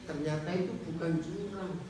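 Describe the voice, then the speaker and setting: Animated high-voiced male preacher, echoey hall. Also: normal speed. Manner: animated, questions the congregation directly. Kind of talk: sermon. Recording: echoey hall from far off with faint noise.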